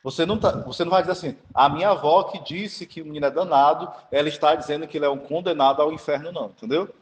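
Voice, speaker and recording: Racing along in a slightly high voice, a Catholic preacher from Northeast Brazil with a Cearense Portuguese accent delivers a chatty, informal teaching sermon. He keeps asking listeners whether they follow him, and a long hall reverb colors the sound.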